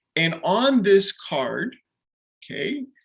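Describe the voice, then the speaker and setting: This man speaks with lively intonation. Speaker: English test teacher. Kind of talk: online live class. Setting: live video stream. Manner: hesitant, many fillers.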